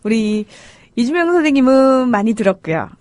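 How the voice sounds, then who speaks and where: Chatty female talk-show host, bright high voice with lots of lilt. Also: normal speed, dry recording. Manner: lively, chatty, laughs often. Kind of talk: radio talk show interview.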